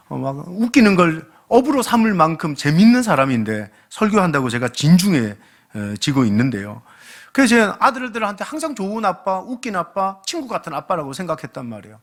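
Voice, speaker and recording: A guest pastor in his late forties preaches with a somewhat high voice that swings widely in pitch as he tells stories. He is animated and funny, acting out quoted dialogue in other people's voices.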